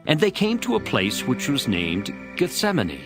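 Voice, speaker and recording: A man's voice: mid-range voice, huge pitch swings, normal speed. A man narrating scripture from a script for a dramatized audio Bible. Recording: music behind the voice. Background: background music.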